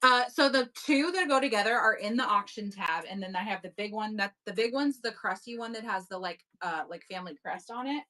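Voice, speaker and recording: A woman's voice: mid-range voice, lively intonation, brisk, hardly any pauses, sharp tone, faint music behind, rough recording. A woman hosting a casual live online auction from home, chatty and upbeat, thanking bidders as she goes. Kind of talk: casual live-selling chat. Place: home at night.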